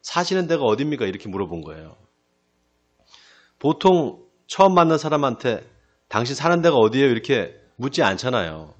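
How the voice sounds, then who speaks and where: A male pastor giving a sermon. He asks the congregation questions and answers them himself, slows down to stress key phrases, and often drops to a quiet close. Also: medium pitch, dull audio, faint music behind. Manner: lively preaching, rising then dropping to a quiet close. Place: church sanctuary.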